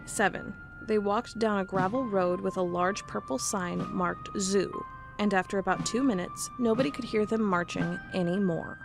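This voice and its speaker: A woman's voice: medium pitch, moderate pace, creaky, over music, lightly acted. A woman playing a wry, curious investigator who records a log and reads old case files in an audio drama. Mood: dry, official.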